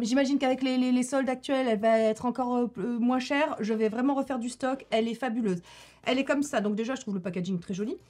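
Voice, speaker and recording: A woman, chatting casually to camera about her favourite beauty products and laughing often. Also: a little high. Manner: chatty, laughs often, repeats herself for effect. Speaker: beauty YouTuber.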